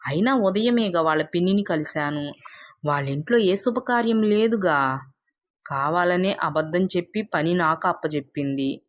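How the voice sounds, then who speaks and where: A woman's voice: fairly low pitch, moderate pace, close to an everyday voice. A woman voicing a timid, obliging village wife in a storybook tale, worried and hesitant. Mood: worried, resentful.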